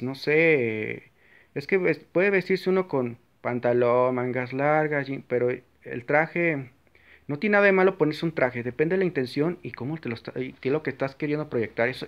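A man with a Mexican accent giving a blunt, forceful, rambling monologue about his faith, with frequent restarts. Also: fairly high pitch. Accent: Mexican Spanish. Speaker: Catholic video maker. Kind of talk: informal religious monologue. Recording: slightly dull, lo-fi recording.

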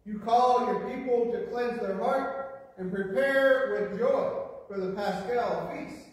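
A man with a fairly high voice leads a solemn liturgy at an unhurried pace. His measured, partly chanted lines ring out from far off in a large church, trailing long reverb through the hall. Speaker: presiding minister.

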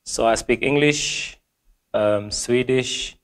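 A young man from Gambia, a football player, reads out fan questions and answers them with many pauses, fillers and restarts. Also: medium pitch, smooth. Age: young adult. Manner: hesitant, many ums and restarts. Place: small plain indoor room.

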